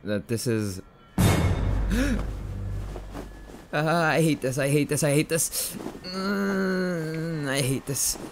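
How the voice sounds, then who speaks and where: Man acting a young catboy boyfriend, ASMR roleplay, slightly slow pace, defensive, affectionate, stammering, easily spooked, background noise. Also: on the high side. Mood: spooked, clingy.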